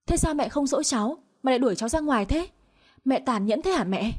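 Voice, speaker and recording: A woman's voice: high voice, expressive, quick pace, breathy edge, pitched above the performer's own voice. Woman reading as a drunk, angry young husband. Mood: arguing. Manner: shouting, reproachful.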